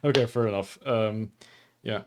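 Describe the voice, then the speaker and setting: A young man with a Portuguese accent, a livestreamer chatting casually with viewers in a deliberately lowered, calm voice, with a dry throat and frequent chuckles. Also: noisy background. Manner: chuckles often between phrases. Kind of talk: casual stream chat reading viewer comments.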